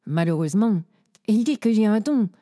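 An actress playing a gentle, troubled young psychic in an audio drama, speaking softly and hesitantly. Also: female voice, mid-range voice, lively intonation, brisk, dry recording, studio quality, lightly acted. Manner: soft and hesitant.

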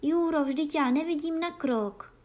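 Storybook guard dog, male, high and excitable, eager to attack, barked repetitive phrases; female reader performs. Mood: anxious whispering. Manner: barking out short repeated exclamations. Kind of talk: children's fairy tale reading.

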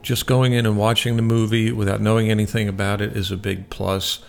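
A man's voice: on the low side, flat delivery, fairly quick, creaky, soft background music. A man hosting a radio show, giving film reviews.

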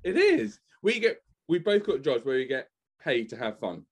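Lively, chatty host on a video call. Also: mid-range voice, moderate pace, husky. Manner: chatty, animated, acts out quotes. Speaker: host, performer. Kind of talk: casual chat.

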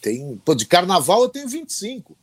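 In a casual storytelling interview, a middle-aged guest from Rio do Sul with years as a sports reporter recounts lively anecdotes, acting out each quoted voice. His voice is high and breathy-edged, and he speaks briskly.

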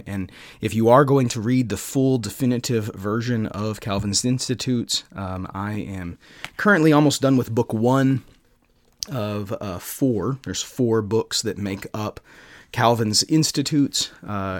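A man hosting a podcast, talking casually and haltingly, with frequent pauses as he recommends books. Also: fairly low pitch, no room sound, clean studio sound. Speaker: podcast host.

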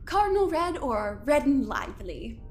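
A woman playing a smug, controlling overseer in an audio drama, delivering measured, condescending threats in a theatrical way. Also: high voice, very animated, faint music behind. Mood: coolly threatening. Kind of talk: scripted audio drama acting.

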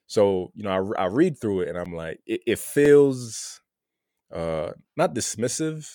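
A Haitian American man talking through his thoughts in a relaxed conversation, often repeating words as he searches for them. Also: on the low side, measured pace, no echo, studio quality. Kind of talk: casual conversation.

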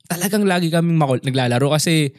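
High-voiced man telling animated stories. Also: fast talker, dry recording, studio quality. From Philippines. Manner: animated storyteller, acts out quoted lines, swears casually. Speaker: podcast co-host. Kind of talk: casual chat.

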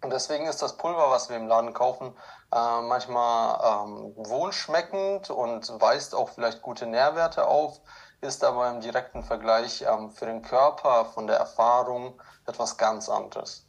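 A man born in Ukraine and raised in southern Germany, a podcast guest, telling relaxed stories with many fillers. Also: medium pitch, measured pace, creaky. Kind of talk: conversational interview.

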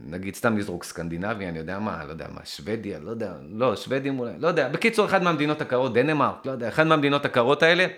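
A man's voice: medium pitch, hardly any pauses. A man from Israel talking to his viewers in a casual, rambling monologue, often stopping and restarting as he thinks aloud, and getting emphatic. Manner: animated and emphatic.

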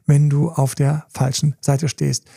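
A middle-aged man with a fairly high, mellow voice hosts a casual podcast as a coach. He tells stories with animated energy and acts out little inner voices as he goes. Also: unhurried, creaky, breathy edge. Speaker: relationship coach and podcast host.

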